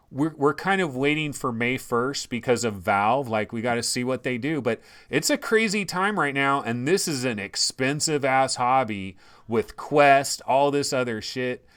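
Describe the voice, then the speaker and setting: Excitable, cursing male stream host. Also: medium pitch, smooth. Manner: excitable, swears casually, quick bursts of emphasis. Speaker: livestream host. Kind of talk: casual chat.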